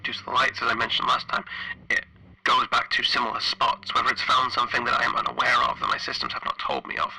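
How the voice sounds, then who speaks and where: A man's voice: medium pitch, sing-song, pushed and bright, a little hiss or hum, full character voice, low-quality recording. Man acting a tense, haunted spaceship engineer. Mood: nervous, reflective. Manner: halting, stammering, breathy whispered trailing phrases. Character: anxious, isolated male spaceship engineer recording log entries. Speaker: player of a solo tabletop horror game. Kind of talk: in-character audio log, dramatic monologue.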